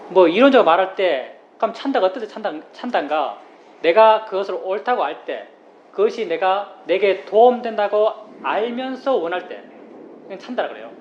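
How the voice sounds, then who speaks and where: A Buddhist monk giving a plain-spoken dharma talk, who repeats key phrases and explains with everyday examples. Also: male voice, high voice. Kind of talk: dharma talk to a meditation group. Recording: slightly dull recording with faint room noise.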